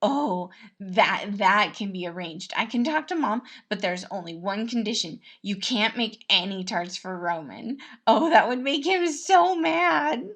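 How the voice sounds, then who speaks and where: A woman voicing a brash, gleeful, mischievous prince with a loud, teasing delivery in a storybook tale. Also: medium pitch, expressive, a little slow. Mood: excited, mischievous.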